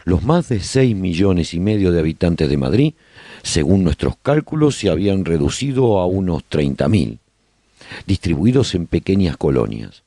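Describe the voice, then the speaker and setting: A man playing a nostalgic survivor who chronicles colony life in a radio serial, with measured, expressive storytelling. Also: deep voice, no room sound, studio quality. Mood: earnest, chronicling. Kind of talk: scripted first-person radio drama narration.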